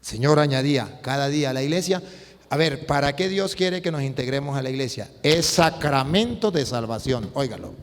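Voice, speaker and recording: A man preaching a sermon as a Catholic priest, telling stories with sudden swings in pitch and loudness. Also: expressive, a little fast. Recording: long hall reverb.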